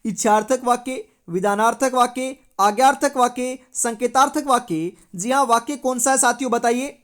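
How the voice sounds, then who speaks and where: A teacher from India leads an exam-prep lesson in a fairly high voice at a moderate pace. She reads each question and its options aloud, then confirms every answer with the same stock phrases.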